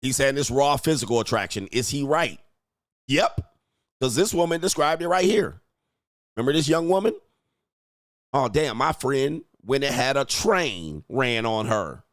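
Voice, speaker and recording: A man's mid-range, animated, slightly bright voice moves at a measured pace in a studio-quality recording with no room sound. He reacts to clips as a brash, profane, mocking dating coach, swelling suddenly to punch words for emphasis in provocative commentary.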